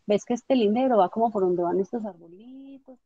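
A woman teaching a software tutorial step by step, patiently checking that her student follows along. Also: medium pitch, moderate pace, slightly rough, no room sound. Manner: patient, explanatory, checks understanding with tag questions. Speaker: instructor. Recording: dull lo-fi dry audio.

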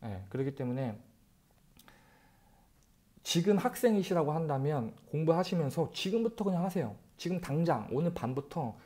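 A man in his thirties, a channel host, gives casual advice to camera in an animated way, using rhetorical questions and speaking into an earphone mic in a bright room. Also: fairly high pitch, normal speed. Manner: animated, gestures a lot, talks directly to viewers with rhetorical questions. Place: bright room by a window, indoors. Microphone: wired earphone mic.

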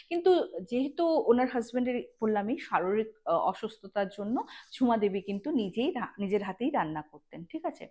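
High voiced lady telling spooky stories like she's chatting to you, keeps adding little explanations. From Assam, India. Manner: conversational, explains asides and addresses listeners directly. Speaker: host and storyteller of a ghost story show. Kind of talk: casual spoken ghost storytelling.

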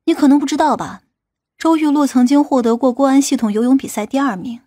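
A woman's voice: high voice, quick pace, dark tone, dry recording, clean studio sound, natural voice. A woman playing a tough, skeptical policewoman who questions and challenges in an audiobook drama. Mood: matter-of-fact. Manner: interrogating, challenging. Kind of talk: audiobook character dialogue.

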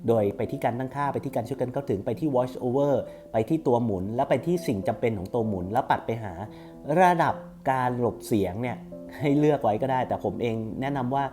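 Man, mid-to-low voice, brisk pace, mellow timbre, casual instructional delivery, step-by-step. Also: soft background music. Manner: instructional, repeats steps, polite particles. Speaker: tutorial host for screen reader users. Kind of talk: casual step-by-step spoken tutorial.

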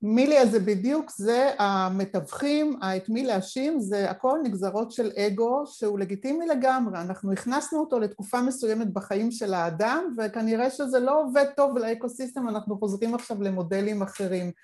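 A woman's voice: a little high, few pauses, a little mellow. A woman speaking reflectively and expansively in an online panel discussion, talking over a video call from her living room. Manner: reflective, expansive, thinking aloud. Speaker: panel participant.

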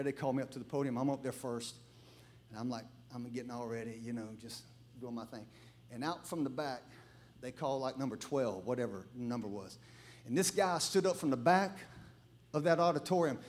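A middle-aged male pastor, preaching a sermon full of humorous, animated stories and bursts of shouting. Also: medium pitch. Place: church.

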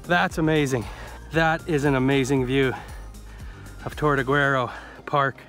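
A man's voice: medium pitch, steady tone, measured pace, a bit bright, soft background music. A male travel vlogger talking casually and joking to himself while hiking outdoors in a rainforest, recorded on a handheld camera. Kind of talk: casual solo travel vlog narration.

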